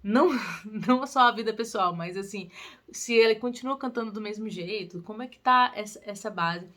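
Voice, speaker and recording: Singing teacher lady, young, chatty and upbeat, voice jumps up when she stresses stuff. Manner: lively and encouraging, with quick pitch lifts on emphasis. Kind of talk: casual tutorial talk to camera.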